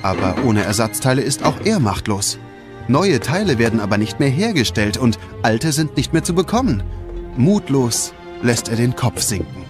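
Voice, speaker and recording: Lively male German storyteller over music. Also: mid-range voice, normal speed. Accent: standard German. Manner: dramatic storytelling. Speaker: narrator. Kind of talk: scripted children's story narration. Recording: music behind the voice.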